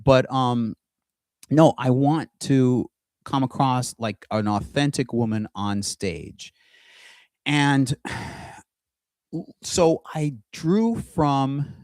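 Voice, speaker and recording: Slow, halting middle-aged man. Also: mid-range voice, no echo. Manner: halting, with many restarts and pauses. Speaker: aspiring singer and video host. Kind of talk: casual monologue to camera. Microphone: computer mic with screen sharing.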